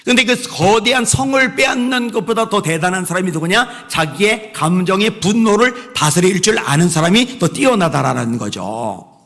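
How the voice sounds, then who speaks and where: A man with a high, gravelly voice preaching a sermon. He moves from shouted exhortations to quiet asides and leads the congregation in repeating phrases after him. The sound carries the long reverb of a church hall. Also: expressive, moderate pace. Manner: leads the congregation in call-and-response repetition. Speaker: pastor. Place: church sanctuary.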